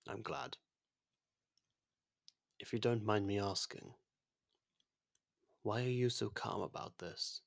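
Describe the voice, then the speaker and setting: A man playing an ancient otherworldly being with a destructive past, speaking formally and gently in an intimate ASMR roleplay, with a soft husky voice. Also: fairly low pitch, no echo, clean studio sound, exaggerated voice. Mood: hesitant, curious. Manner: measured, formal, gently confiding. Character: ancient genocidal otherworldly being, imprisoned, now courteous and fond.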